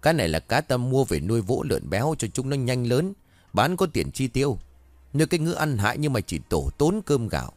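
A man voicing a cruel, hot-tempered middle-aged aunt who scolds in rapid, harsh bursts. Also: medium pitch, big pitch swings, no echo, lightly acted. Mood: furious.

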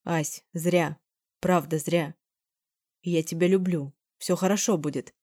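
A woman reading the lines of a young man, an insistent and passionate suitor who pleads and shouts. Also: on the high side, steady tone, slow pace, no room sound, clean studio sound. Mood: soothing.

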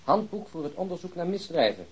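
A man's voice: on the high side, big pitch swings, brisk, slight background noise, low-quality recording. A man playing a persistent police detective in a Dutch radio drama, questioning a bereaved woman bluntly and insistently. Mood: probing.

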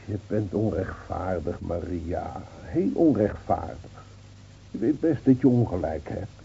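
An actor playing a gentle older village man who reminisces, hesitant and reflective, in a radio drama. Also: deep voice, expressive, unhurried, vocal fry, slightly rough, exaggerated voice. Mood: quietly reproachful. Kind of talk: Dutch radio drama acting. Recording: dull old radio recording.

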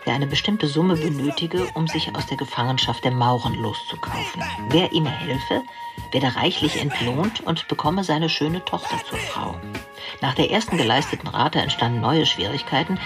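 A man as a factual documentary narrator in a radio drama, reading a script in a measured, articulate way. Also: a little high, very animated. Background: music.

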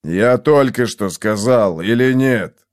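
A man voicing a sullen, menacing scarred brute who growls slowly. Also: mid-range voice, expressive. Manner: growling, slow and threatening.

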